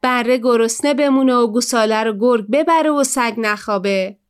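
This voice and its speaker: A woman voicing an excited storybook cat. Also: on the high side, clean tone, close to an everyday voice. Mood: gentle. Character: lonely female cat finding hope.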